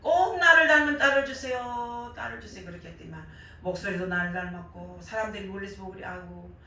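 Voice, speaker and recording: Older female preacher, Gyeongsang Korean accent, hoarse but bright and forceful, heard in a very echoey church hall. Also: medium pitch, fast, recorded from a distance, slight background noise. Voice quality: worn, hoarse voice damaged by years of crying out in prayer. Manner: animated storytelling, acting out quoted remarks. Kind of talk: sermon with personal anecdotes. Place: church service, roomy indoor hall.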